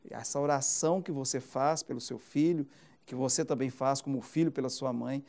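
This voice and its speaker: A man's voice: medium pitch, normal speed, gravelly, darkish tone. A man who is a pastor hosting a Christian TV interview program, talking emphatically and turning to viewers with preacherly asides. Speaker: pastor, TV show host.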